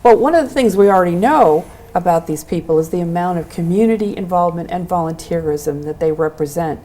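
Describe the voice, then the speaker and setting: A woman's voice: lowish voice, fairly quick, mellow. A woman hosting a local access television show, introducing guests and asking them encouraging questions. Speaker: host.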